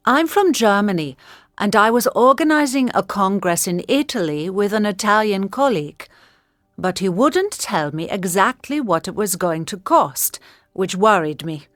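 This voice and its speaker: A woman reading scripted accounts for an English listening exercise, in a clear, even narrating manner. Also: medium pitch, normal speed, no echo, studio quality. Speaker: textbook audio speaker.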